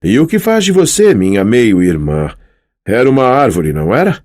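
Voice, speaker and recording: A man's voice: medium pitch, sing-song, normal speed, darkish tone, voice pushed up. A man reading an audiobook, voicing a boastful, teasing young male sun god in a raised, showy voice. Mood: playful boastful. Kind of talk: audiobook character voice.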